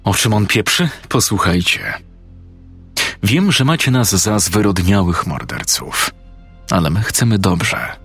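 A man voicing a cold, fanatical middle-aged school principal who killed children and speaks in a smug, measured way, with a husky voice. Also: lowish voice, lively intonation, a bit bright, soft background music, heavily acted.

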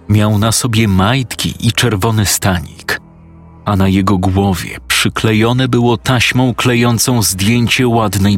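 A man narrating a scripted horror story in a measured, suspenseful way. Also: fairly low pitch, fairly bright tone.

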